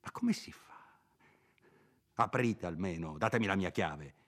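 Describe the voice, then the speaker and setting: A man's voice: low-pitched, expressive, unhurried, a bit bright, full character voice. A man reading aloud and voicing a timid, fussy old country priest who pleads and scolds. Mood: scolding. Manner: fearful, whispery pleading turning to scolding.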